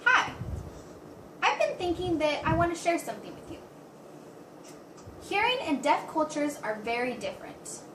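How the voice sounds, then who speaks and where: High-voiced woman, echoey distant recording. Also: big pitch swings, normal speed, pauses often. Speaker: voice interpreter for a signed presentation. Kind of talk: spoken interpretation of a signed talk, informal presentation. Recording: roomy echo, distant mic, background hiss.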